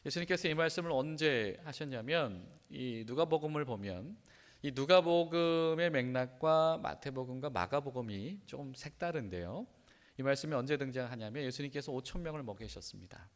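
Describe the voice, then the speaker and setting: A man's voice: mid-range voice, lively intonation, moderate pace. A male pastor preaching a sermon in a conversational way, with frequent rhetorical questions. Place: church sanctuary. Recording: long reverb of a church sanctuary.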